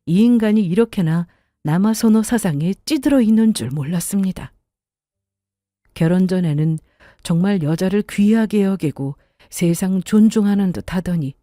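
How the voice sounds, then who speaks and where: A woman's voice: mid-range voice, warm tone, dry recording, studio quality. A woman narrating her own story in the first person, indignant and confiding.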